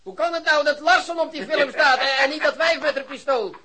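A man's voice: very high-pitched, fairly quick, bright, forceful tone. A man playing an irritable, incredulous senior policeman in a radio drama, blunt, demanding and exasperated.

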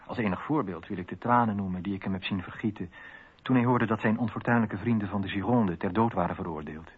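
A deep, husky voice: a grieving friend testifying solemnly. His delivery is formal and deliberate, in radio-play style, through a thin phone-like sound. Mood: solemn, mournful. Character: grieving male friend of a philosopher, giving testimony.

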